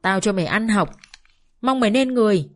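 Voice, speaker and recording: A woman's voice: animated, a little fast, soft background music, natural voice. A woman reading an audiobook, voicing a furious middle-aged mother who screams abuse at her daughter. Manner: shrill, raging, abusive scolding.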